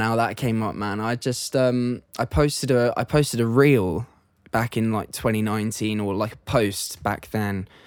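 Very clean and with a silent background, the recording captures a normal speaking voice at a moderate pace with ordinary pitch variation. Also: man. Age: 20s. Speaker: singer-songwriter and producer. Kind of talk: casual chat.

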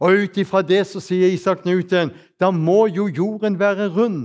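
A very clean recording with a silent background captures a man speaking in a southern Norwegian accent. His pitch is high, his intonation fairly even, and his pace moderate. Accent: southern Norwegian, guttural r. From southern Norway. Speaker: travelling preacher. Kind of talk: sermon.

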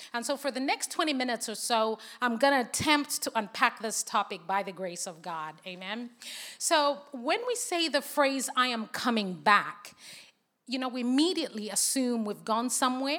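Bright and sharp in tone, a woman speaks with a high pitch and lively intonation. Her pace is moderate. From Zambia. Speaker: preacher and conference speaker. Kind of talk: sermon. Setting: stage with audience at a conference.

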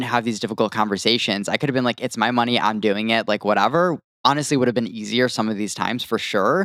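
In a very clean recording with a silent background and a dry, close sound with no echo, a man with a plain, everyday voice talks at a fairly quick pace, medium in pitch with ordinary pitch variation. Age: 30s. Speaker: angel investor and business owner. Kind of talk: casual chat.

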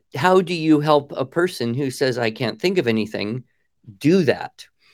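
With an unremarkable speaking voice, a man talks at a fairly slow pace with lively intonation. The recording is very clean and the background is silent. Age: 60s. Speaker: writing curriculum founder and educator. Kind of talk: interview.

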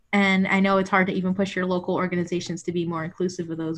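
A woman talks at a very fast pace with a medium-pitched voice. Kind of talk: casual interview chat. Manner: excitable, animated.

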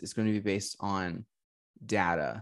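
Over a quiet background, a man with a normal speaking voice talks in a fairly low pitch with fairly even intonation. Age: 30s. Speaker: podcast host. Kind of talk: interview conversation.

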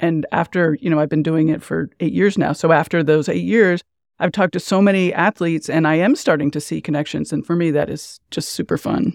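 Against a quiet background, with a dry, close sound and no echo, a woman with an American accent talks in a normal speaking voice at a fairly low pitch, with ordinary pitch variation and hardly any pauses. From Philadelphia, US. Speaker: podcast host, guest. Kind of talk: interview. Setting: remote recording.

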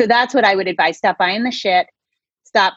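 A woman speaks in an ordinary speaking voice at a fairly high pitch with ordinary pitch variation. The sound is dry and close, with no echo. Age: 50s. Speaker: parenting expert. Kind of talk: interview.

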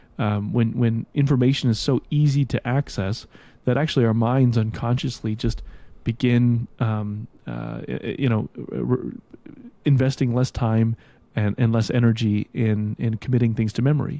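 Dry and close with no echo, this recording has a man with a Canadian accent speaking at a medium pitch and moderate pace, his tone dark and mellow and his intonation fairly even. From Saskatchewan, Canada. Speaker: business executive and keynote speaker. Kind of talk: interview. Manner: halting, many repetitions and fillers.

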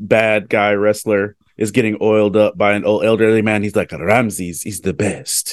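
A man talks in a plain, everyday voice with a fairly low pitch at a moderate pace. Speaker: podcast host. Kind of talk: casual interview chat.

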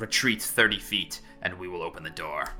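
Over clear music in the background, a man does a hissing, put-on character voice at a moderate pace. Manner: menacing, commanding.

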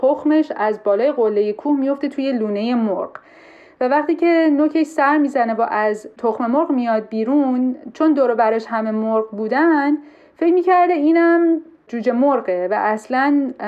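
A woman speaks in a high voice with lively intonation. Her pace is moderate and her loudness very even. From Iran. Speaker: eye doctor and youth program volunteer. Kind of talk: interview.

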